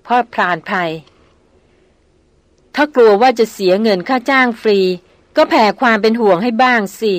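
A woman reading an audiobook novel, voicing a young aristocratic woman who speaks softly and coaxingly. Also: fairly high pitch, moderate pace, pauses often, dry recording, close to an everyday voice. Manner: soft, coaxing.

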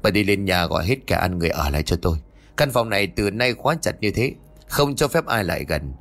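A man's voice: sits low, lively intonation, fast talker, vocal fry, a bit bright, exaggerated voice. A man voicing a domineering old male landowner in a spoken ghost story, giving commands in a threatening tone. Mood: stern.

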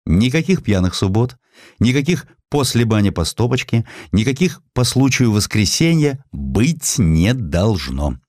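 Deep expressive male narrator, dry sound. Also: measured pace, no room sound. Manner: expressive reading, voices characters in quoted lines. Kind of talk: audiobook narration of a historical essay with acted dialogue.

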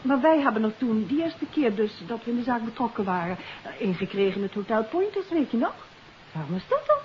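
An actress playing a detective's inquisitive wife, with a questioning manner, in 1950s radio drama style. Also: female voice, a little high, sing-song, brisk. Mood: puzzled, curious. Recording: dull, hissy 1950s radio recording.

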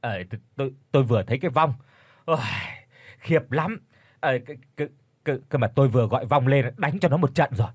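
A greedy village shaman in a horror audio story blusters and stammers, as a man puts him on. His husky voice jumps sharply up and down in pitch. He sounds dry and close. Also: big pitch swings, fast talker, dry recording. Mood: stammering.

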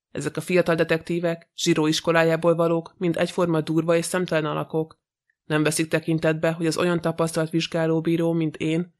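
A man's voice: fairly high pitch, natural voice. A man reading a chatty, smug old judge. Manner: flattering and long-winded. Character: chatty, self-satisfied older male judge.

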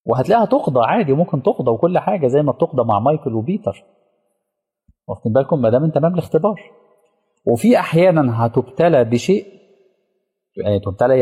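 A man's voice: medium pitch, mellow, breathy edge. A man with an Egyptian accent giving a casual religious lecture, telling stories and checking that the audience is following. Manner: engaging, asks the audience rhetorical questions. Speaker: preacher. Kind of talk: colloquial religious lecture with storytelling. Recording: reverberant hall sound.

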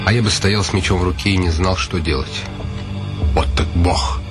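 A man's voice: deep voice, steady tone, moderate pace, lightly acted. An actor playing a troubled nobleman in a radio drama monologue, brooding and questioning himself, with music behind him. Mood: shaken, self-reproaching. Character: troubled nobleman, a man, inwardly reproaching and calming himself.

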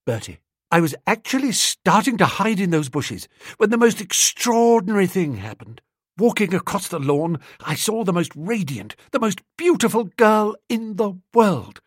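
A man's voice: high voice, very animated, slightly rough, no room sound, clean studio sound, voice pushed up, heavily acted. A man doing a gushing lovestruck young toff. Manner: gushing, eager, rushing ahead. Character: excitable lovestruck young upper-class man.

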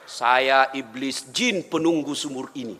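A man voicing an ancient, weary male jinn who lives in a well, speaking slow and low and grumbling. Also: pushed and bright. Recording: long hall reverb.

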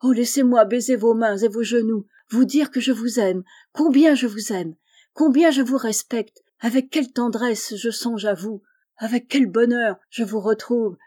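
A poor young boy pours out his gratitude in fervent, tearful pleading, as a woman reading the story puts him on. The voice rises a little higher and louder than the narration, with a mellow, warm timbre. This is a storybook reading. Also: normal speed, lightly acted.

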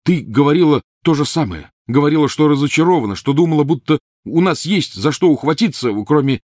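A man reading an audiobook voices a bitter, shouting teenage boy wizard. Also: fairly high pitch, animated, brisk, no room sound, studio quality, pitched above the performer's own voice. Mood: angry. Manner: shouting, resentful, sarcastic.

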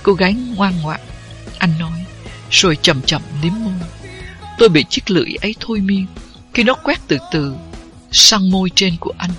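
An audiobook narrator reading a first-person novel at a steady, unhurried pace. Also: mid-range voice, faint music behind.

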